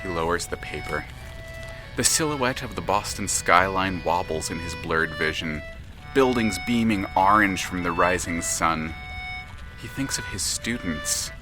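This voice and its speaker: A man narrating an audio drama in a measured, dramatic, literary storytelling manner. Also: low-pitched, over music.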